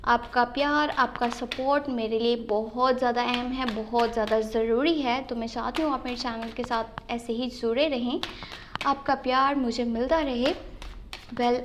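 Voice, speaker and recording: High-voiced woman reading tarot. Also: slight background noise. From Pakistan. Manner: mixes English phrases into her talk. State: slightly sore throat. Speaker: tarot reader and channel host. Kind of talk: tarot reading addressed to viewers.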